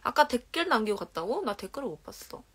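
Chatting fast in a slightly high, sing-song, husky voice, a twenties idol livestream host with a Korean regional accent reads viewer comments from her dim bedroom. She holds her phone at arm's length, stays soft-spoken, and keeps slipping into whispers and giggles.

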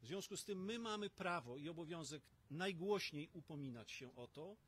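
A man's voice: a little high, expressive, a bit bright, husky. A middle-aged man giving an emphatic political statement at an outdoor press conference, speaking into a cluster of stand mics. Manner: emphatic, rallying, with pauses and fillers. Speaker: opposition politician. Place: outdoor terrace in front of a banner.

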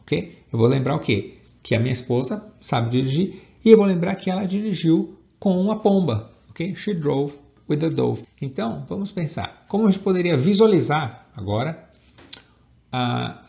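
A man gives an online English lesson, spelling out each point with patient repetition and frequent checks of "okay?". His voice sits a little high with a gravelly fry. The recording is dull and lo-fi. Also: expressive, dark tone. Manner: explains slowly and repeats example phrases, asking "okay?" often. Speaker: English teacher.

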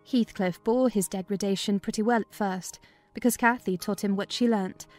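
A woman narrating a dramatized audiobook in a measured, literary storytelling manner. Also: medium pitch, a little mellow.

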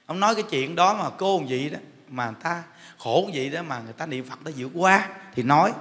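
A middle-aged monk with a Southern Vietnamese accent gives a humorous dharma talk in a temple hall, joking and teasing like a chatty storyteller. His high-leaning voice is expressive, quick and a bit bright, carried by long hall reverb.

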